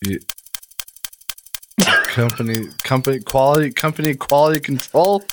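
A man's voice: mid-range voice, normal speed, background noise. A man co-hosting a casual podcast, flustered and exclamatory as he guesses. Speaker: podcast co-host.

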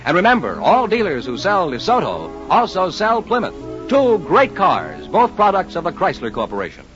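A man's voice: sits high, huge pitch swings, moderate pace, a bit bright, faint music behind. A man reading scripted announcements and ads on a 1950s radio show in a polished announcer delivery. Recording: lo-fi old radio broadcast.

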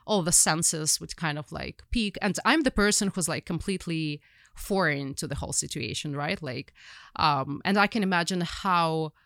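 A woman's voice: low voice, normal speed, a bit bright, dry recording, studio quality. A young woman with a Ukrainian accent, a journalist guest telling her story in casual conversation, rambling with many fillers and restarts.

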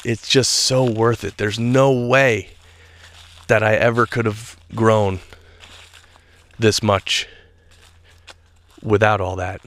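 A man's voice: fairly low pitch, steady tone, takes it slowly, pauses often, fairly bright tone. A man hosting a spiritual podcast, talking earnestly and reflectively while walking outdoors, a little stuffed up and nasal. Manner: earnest, reflective, loose talk with restarts. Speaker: podcast host. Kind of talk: solo spiritual podcast monologue. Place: walking outdoors in a state park.

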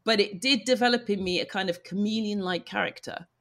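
A woman's voice: medium pitch, fairly quick, a bit bright. A woman from Nigeria hosting an interview podcast, telling her story in a reflective, conversational way. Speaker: podcast host.

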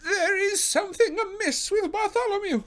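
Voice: very high voice, very animated, a little fast, pitched above the performer's own voice. A narrator voicing a timid, nervous, helpless man close to blubbering, in an audiobook story. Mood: terrified. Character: timid, nervous, fretful man on edge of tears.

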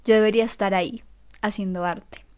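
A young woman from Colombia, a Catholic content creator, telling her own story in a lively, self-mocking way. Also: medium pitch, fairly quick, clean tone. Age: young adult. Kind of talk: personal storytelling vlog.

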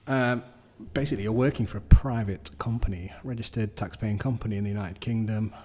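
A man's voice: on the low side, steady tone, fairly quick, warm tone, a little hiss or hum. A man in his forties from Sheffield, a guest author giving plain, matter-of-fact answers in an interview. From Sheffield, England. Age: 40s.

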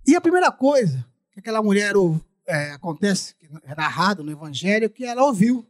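High-pitched Brazilian man preaching through a face mask. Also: big pitch swings, a little fast. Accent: Brazilian Portuguese. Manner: repeats phrases for emphasis, acts out dialogue. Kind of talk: sermon.

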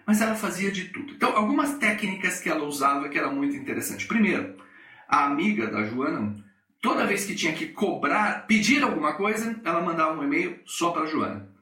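A middle-aged man with a Brazilian Portuguese accent tells a workplace story on his coaching podcast, acting out each person in it. His voice is bright and swings widely in pitch. He sits a little back from the mic in an echoey room. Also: brisk, distant mic. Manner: animated, acts out the people in his stories. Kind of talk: storytelling monologue.

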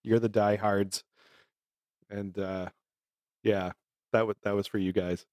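A man's voice: on the low side, level tone, slow, darkish tone, no echo, studio quality. A man from Massachusetts co-hosting a podcast in casual chat, telling stories in a rambling way and laughing often. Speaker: podcast co-host.

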